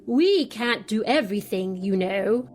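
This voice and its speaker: A woman's voice: mid-range voice, animated, a little slow, a little mellow, faint music behind, lightly acted. A woman playing an imperious, scatterbrained old queen in an audio drama, weary, fussy and dismissive, speaking in a regal, theatrical manner. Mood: brooding, dismissive.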